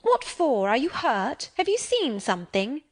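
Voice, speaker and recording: A woman's voice: sits high, huge pitch swings, slow, no room sound, studio quality, pitched above the performer's own voice, heavily acted. Woman doing an anxious, kindly nursemaid. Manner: concerned questioning.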